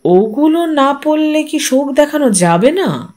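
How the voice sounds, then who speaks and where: A woman voicing a principled, quietly defiant middle-aged eldest son in an audio story, deliberate and reasoning. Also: high voice, very animated, voice pushed up. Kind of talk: audio story character reading.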